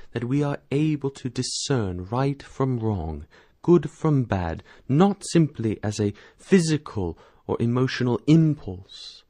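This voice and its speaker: Measured, mellow-voiced male priest. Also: mid-range voice, dry recording. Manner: measured, deliberate, earnest. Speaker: priest giving commentary. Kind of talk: spoken homily commentary, reading patristic text.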